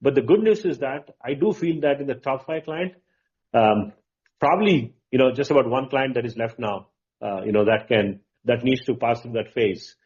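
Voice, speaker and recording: Male executive, mid pitch, emphatic and halting unscripted answers, dull conference-call sound. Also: a little mellow. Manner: halting, emphatic, asks and answers own questions. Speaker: company executive.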